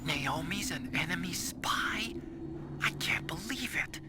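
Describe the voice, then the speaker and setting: A man's voice: high-pitched, animated, slow. A man voicing a focused military support adviser in a video game, instructing and cautioning with urgency. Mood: disbelieving. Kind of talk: dramatic video game voice acting. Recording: loud music over the voice.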